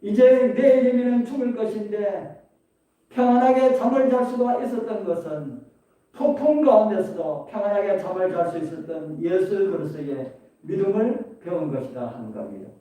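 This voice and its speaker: A man's voice: high-pitched, lively intonation, moderate pace, dark tone. Male pastor preaching in an echoey hall. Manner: preaching with rhetorical questions, rising and falling emphasis. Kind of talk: sermon. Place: church sanctuary. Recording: echoey hall, distant mic.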